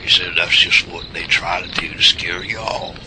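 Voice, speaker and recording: A deep, drawling old Southern country man acted by a man in an audio drama. He is folksy and cantankerous, forever bickering with his partner. Heavy outdoor ambience sits loudly behind the voice. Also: fairly even intonation, moderate pace, lightly acted. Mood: grumpy, defensive. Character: grumpy old rural Southern man, bickering Bigfoot hunter. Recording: loud outdoor ambience noise over voice.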